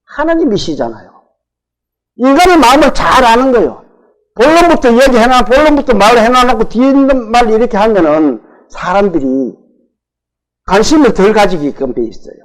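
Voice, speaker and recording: A male pastor with a Gyeongsang Korean accent delivers a sermon in a high-pitched voice that swoops up and down. He poses questions to the congregation and answers them himself, drawing out the words he stresses. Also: lively intonation, normal speed, rough recording.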